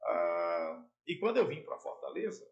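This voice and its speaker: A middle-aged man with a playful, animated way of telling stories about his years in radio and TV. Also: mid-range voice, a little slow, creaky, dull audio. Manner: playful, animated storyteller with jumps in loudness. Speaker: former sports broadcaster and TV presenter. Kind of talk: casual storytelling interview.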